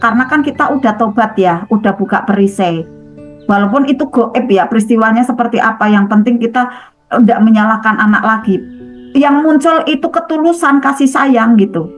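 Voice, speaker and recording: A woman's voice: a little high, highs cut off. A middle-aged woman, speaking casually to a group and acting out short quoted exchanges. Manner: conversational, acts out little quoted dialogues in a softer voice. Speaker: speaker sharing experience in a study group. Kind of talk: casual spoken talk to a group.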